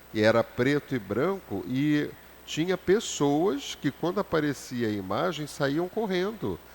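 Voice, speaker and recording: The voice moves at a fairly slow pace, its pitch swinging very widely. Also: man, fairly high pitch for a man. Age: 70s. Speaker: spiritist lecturer. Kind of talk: lecture.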